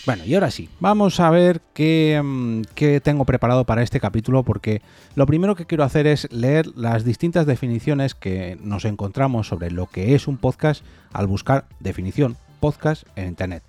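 A man's voice: medium pitch, animated, moderate pace, warm tone, soft background music. A man hosting a solo opinion podcast, reading definitions aloud and talking them through informally. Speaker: podcast host.

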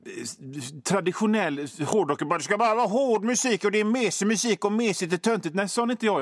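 A man's voice: on the high side, dry recording. A male radio host delivering a comedic monologue in a sardonic, mock-grumpy ranting manner into a studio microphone.

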